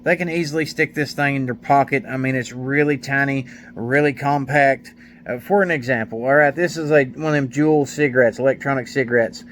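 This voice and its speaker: A man's voice: medium pitch, a little fast. A man giving a casual, rambling product review in a folksy, colloquial way. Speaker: product reviewer, maintenance mechanic. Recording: steady clear background noise.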